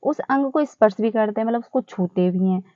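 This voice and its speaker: A woman talks through test questions like a friendly tutor, looping back over phrases with easy fillers. Her voice sits a little high, and the audio is dry and a bit muffled with no room sound. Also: fairly quick, dark tone, no echo. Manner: chatty, repeats phrases with fillers. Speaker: exam prep teacher. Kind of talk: casual Hindi-English teaching explanation.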